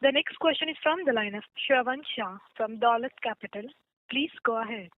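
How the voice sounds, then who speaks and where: A woman's voice: on the high side, a little fast, dry recording. A woman working as a conference call operator, speaking in a formal, scripted manner as she moderates questions. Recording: dry, thin phone line.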